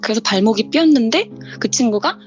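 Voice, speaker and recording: A woman guest telling a personal ghost story in a casual interview, lively and acting out the dialogue. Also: on the high side, fairly quick. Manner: lively, acts out the quoted dialogue. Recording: dull lo-fi audio with faint music bed.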